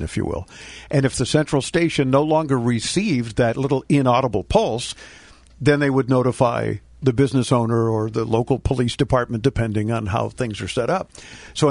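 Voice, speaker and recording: A man's voice: mid-range voice, a little mellow, dry recording. A man hosting a radio tech show, chatty and joking as he answers questions. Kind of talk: casual radio talk.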